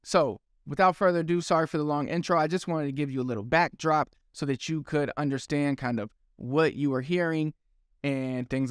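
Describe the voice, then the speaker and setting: A man's voice: a little high, clear, resonant tone, dry recording, studio quality. A man hosting a language channel, giving a chatty, explanatory vlog introduction.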